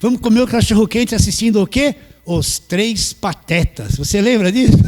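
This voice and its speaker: An animated voice at a moderate pace, with noticeable background noise. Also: man, high pitch for a man, ordinary pitch variation. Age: 60s. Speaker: pastor. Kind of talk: sermon. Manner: conversational, animated.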